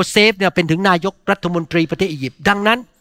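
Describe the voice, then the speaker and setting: Dry and close with no echo, the voice shows ordinary pitch variation. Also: man. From Thailand. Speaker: pastor. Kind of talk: sermon.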